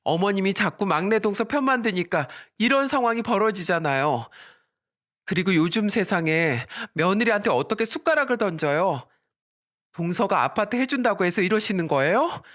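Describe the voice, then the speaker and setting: A man's voice: high voice, lively intonation, normal speed, a bit bright. A man voicing an outspoken sister-in-law who firmly reproaches her mother-in-law in a storybook drama. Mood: reproachful.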